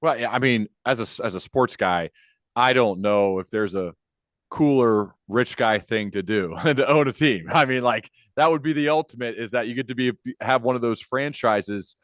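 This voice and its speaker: A man's voice: medium pitch, normal speed, no echo, clean studio sound. A man hosting an interview podcast, speaking casually and informally, rephrasing as he goes.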